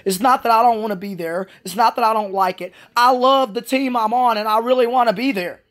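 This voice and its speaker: A woman's voice: fairly high pitch, brisk. Frustrated woman venting. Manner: frustrated, repetitive, profane ranting. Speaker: Special Olympics athlete. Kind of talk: venting vlog monologue.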